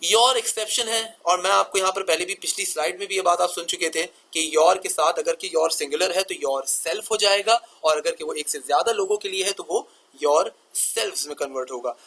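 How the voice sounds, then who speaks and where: A man's voice: sits high, fairly quick, hardly any pauses, a bit bright, poor audio. A man teaching English grammar in a methodical way, repeating each rule and asking listeners to pay attention as he works through slides. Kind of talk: explaining grammar over slides.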